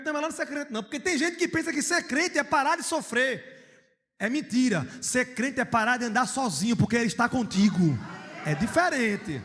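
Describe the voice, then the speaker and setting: A man preaching a sermon as pastor, telling personal stories, moving between hushed storytelling and loud outcries. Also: very high voice. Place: church hall. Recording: long reverb of a church hall.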